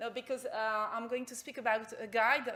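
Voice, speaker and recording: Speaking with a French accent, a woman keeps a fairly high pitch and fairly even intonation. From France. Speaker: enterprise architect. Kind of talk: conference talk. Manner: halting.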